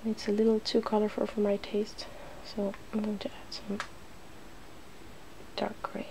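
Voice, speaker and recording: A woman hosting an ASMR makeup demonstration, speaking in soft, breathy whispers and hushed tones as she narrates each step playfully. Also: medium pitch, completely flat delivery, a little slow, noisy background. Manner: playful, giggly. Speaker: ASMR video host.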